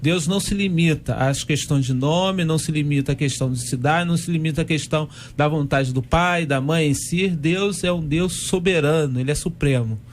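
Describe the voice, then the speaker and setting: A man's voice: on the high side, moderate pace, few pauses, a little hiss or hum. A man on a radio debate panel, speaking earnestly with a preaching tone.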